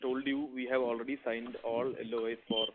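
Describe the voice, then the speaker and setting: A man with an Indian accent, a company executive, fields investor questions on an earnings conference call over a narrow, phone-like line. His mid-range voice is level in tone and brisk, and the recording is very noisy.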